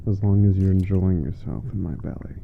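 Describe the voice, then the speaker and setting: A man playing a gentle, teasing, affectionate giant roommate in an intimate ASMR roleplay, soft-spoken and playfully formal. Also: low-pitched, a little fast, creaky, narrow, tinny audio, slight background noise. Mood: fond, reassuring.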